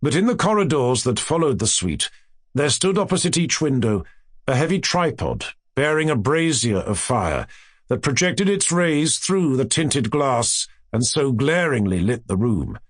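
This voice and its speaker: A man reading a classic horror tale as an audiobook narrator, in a measured, theatrical storytelling manner with careful phrasing. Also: mid-range voice, sing-song, no echo, clean studio sound. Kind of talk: dramatic literary horror narration.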